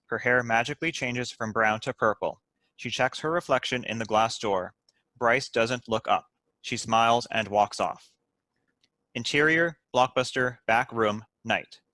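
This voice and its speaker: A man's voice: mid-range voice, normal speed, pushed and bright, no room sound. A man reading screenplay stage directions as a scripted narrator.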